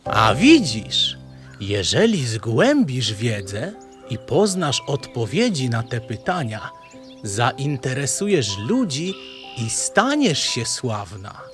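A man's voice: medium pitch, huge pitch swings, slow pace, a bit bright, heavily acted. An enthusiastic old-school learned professor, played by a man in a children's audio tale. He lectures emphatically and unhurriedly, his melody rising and falling widely. Music sits behind him. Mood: triumphant. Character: male professor animal, enthusiastic learned neighbour, pompous. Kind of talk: children's audio play acting.

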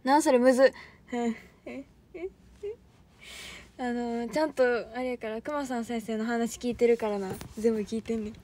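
A woman's voice: on the high side, fairly even intonation, normal speed, long pauses, warm tone. A young woman with a Kansai accent, chatting on a livestream as an idol trainee, rambling and laughing often while thanking viewers. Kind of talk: casual livestream chat.

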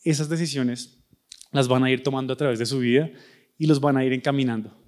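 A man's voice: medium pitch, steady tone, brisk, darkish tone. Young Colombian man giving a stage talk. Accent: Bogotá Colombian Spanish. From Colombia, Bogotá. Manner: conversational, addressing students directly. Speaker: architect and online creator giving a talk. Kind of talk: university lecture talk. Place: large dark auditorium stage. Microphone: handheld microphone.

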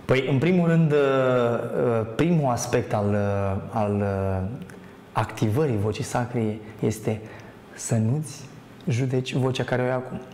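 A man's voice: mid-range voice, steady tone, darkish tone, roomy sound, a little hiss or hum. A man as a guest on a TV talk show, speaking earnestly about spirituality and hesitating with many fillers. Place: TV studio.

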